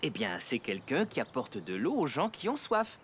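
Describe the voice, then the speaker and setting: A man's voice: mid-range voice, huge pitch swings, moderate pace, a bit bright, a little hiss or hum. An actor playing a friendly, encouraging father in a children's cartoon, explaining things patiently to a small child. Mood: kindly, patient. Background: music.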